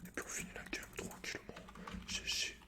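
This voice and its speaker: A man doing gaming ASMR whispers close into the microphone, giving casual, slangy play-by-play with a teasing edge. He moves at a brisk pace in a bright, forceful tone, accompanied by the sound of a computer keyboard.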